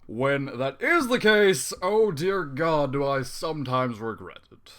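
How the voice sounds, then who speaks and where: A man's voice: medium pitch, expressive, measured pace, a bit bright. A man reading a fan story aloud and breaking off into exasperated, swearing comic reactions. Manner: exasperated, swearing outbursts between narration. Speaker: fanfiction reader.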